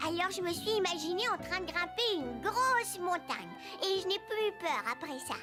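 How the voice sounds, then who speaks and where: An actor voicing an excitable, curious four-year-old boy in a children's cartoon, with an eager, childlike way of exclaiming. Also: very high voice, moderate pace, music in the background. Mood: proud.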